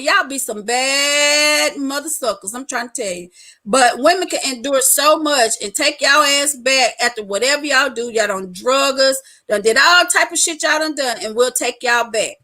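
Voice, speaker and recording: A woman with a high, bright voice holds forth in casual chat. She tells her stories loudly and frankly, with laughter and slang all through. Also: normal speed. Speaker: live stream co-host.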